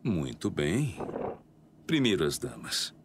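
An actor with a Brazilian accent playing a courteous, smooth-talking detective who is secretly a cold killer, in an audio drama. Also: male voice, a bass voice, wildly swooping pitch, slow, noisy background, heavily acted. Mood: coolly menacing. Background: music.

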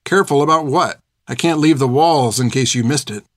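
A man voicing a defiant, sharp-tongued teenage girl. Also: medium pitch, no room sound, clean studio sound, close to an everyday voice. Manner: defiant, quick to insult.

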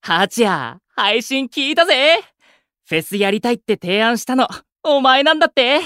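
A man's voice: very high voice, lively intonation, moderate pace, sharp tone, clear, resonant tone, dry recording, studio quality, heavily acted. A man playing a hot-blooded, boastful young idol with exuberant, theatrical bravado in an anime-style audio drama. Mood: fired up.

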